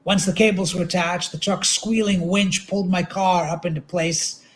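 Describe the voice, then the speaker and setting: A man reading literary narration aloud at an event, with a measured, dramatic delivery. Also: high voice, fairly even intonation.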